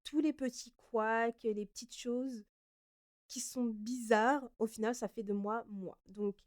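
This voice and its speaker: A young woman from France talks through listener questions on her podcast. Her voice sits a little high and sounds smooth and clear. She speaks in a loose, chatty way, often hesitating and correcting herself mid-sentence. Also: steady tone, slow, darkish tone. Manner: chatty, hesitant, many fillers and self-corrections. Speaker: podcast host. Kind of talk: casual solo Q&A podcast.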